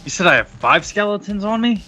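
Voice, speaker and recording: Bright-voiced man in a tabletop game. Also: high-pitched, expressive, brisk. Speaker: player in a tabletop RPG. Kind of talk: casual game talk. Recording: music playing behind the voice.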